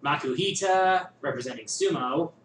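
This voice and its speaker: A man hosting a viewer question show, musing and thinking aloud with many pauses in casual chat. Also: on the high side, fairly bright tone, distant mic, slight background noise. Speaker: host answering viewer questions. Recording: echoey room, voice a bit off-mic, faint ambience.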